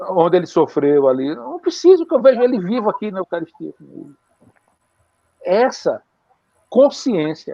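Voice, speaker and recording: A man with a high pitch and very wide pitch swings. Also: dry, close sound with no echo. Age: 60s. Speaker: religious study group teacher. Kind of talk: lecture.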